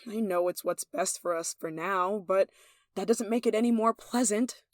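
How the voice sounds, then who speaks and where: A woman's voice: mid-range voice, moderate pace, no echo, studio quality, natural voice. A woman acting a lovestruck, possessive young royal in an intimate roleplay, tender and playfully commanding. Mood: resigned, wistful. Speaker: voice actor in an audio roleplay.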